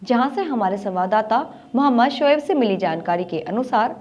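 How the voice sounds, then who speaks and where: A young adult woman anchoring a news bulletin in a studio, reading a script in a formal, even newsreader delivery. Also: on the high side, moderate pace. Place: studio with virtual set.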